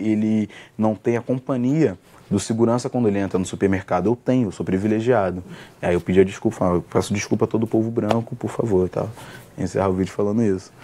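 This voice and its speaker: A young man, a stand-up comedian telling stories in a casual interview, with many restarts. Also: lowish voice. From Rio de Janeiro, Brazil. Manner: fast, relaxed storytelling with many restarts and fillers.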